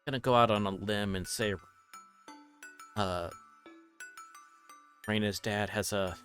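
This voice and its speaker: A man's voice: lowish voice, fairly even intonation, takes it slowly, fairly bright tone. Man livestreaming a visual novel, music behind. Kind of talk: reading game text aloud, casual commentary.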